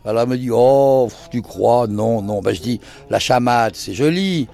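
An older man with a gravelly, creaky voice, recounting stories in a lively way and hesitating often. His tone sits at an ordinary middle pitch. He speaks indoors in a small bar lounge. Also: moderate pace. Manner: animated, acts out quoted dialogue, many hesitations. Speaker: bar owner. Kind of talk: casual anecdotal storytelling.

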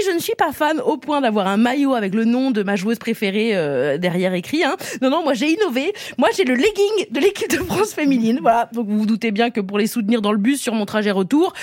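Woman, young adult, high voice, playful emphatic comic monologue, dry close sound. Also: dry recording. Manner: lively, playful, emphatic storytelling. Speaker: comedy columnist. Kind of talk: humorous radio chronicle.

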